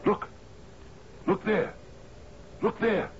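An actor playing an aging, frail sea captain in a radio drama, gruff and wistful, with halting, muttering speech that can burst into urgent cries. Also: male voice. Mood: excited, insistent. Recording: muffled, noisy old radio broadcast.

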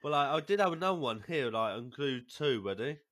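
A man's voice: medium pitch, expressive, fairly quick, fairly bright tone, no echo, clean studio sound. A man, co-hosting a podcast in a rambling, hesitant way, often trailing off mid-thought. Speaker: podcast co-host. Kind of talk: casual chat.

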